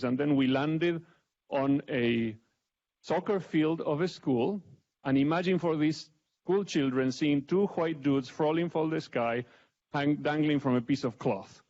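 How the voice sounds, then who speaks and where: A middle-aged man with an Argentine accent speaks to a panel audience in a relaxed, self-mocking way. His voice has a gravelly edge. The recording sounds dull and lo-fi. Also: mid-range voice. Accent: Argentine Spanish. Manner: self-deprecating, conversational. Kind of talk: public talk with slides.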